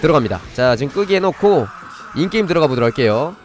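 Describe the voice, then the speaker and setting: A man's voice: on the high side, very animated, fast talker, soft background music. A man hosting a live game stream, explaining things step by step while chatting with viewers. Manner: demonstrates step by step while breaking off to address viewers. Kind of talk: live gaming commentary and review, chatting with viewers.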